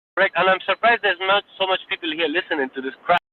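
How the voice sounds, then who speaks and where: A man's voice: sits high, quick pace. A man from Afghanistan arguing in a live audio room. He speaks insistently, lectures his listeners and repeats words when he is cut off. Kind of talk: heated debate. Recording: tinny phone-line audio.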